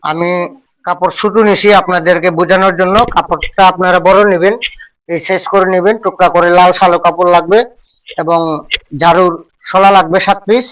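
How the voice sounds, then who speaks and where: A man with a high voice and a narrow, flat melody teaches a folk-healing ritual step by step. He goes back over each instruction again and again as he demonstrates. His voice sounds a little distant from the microphone. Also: brisk.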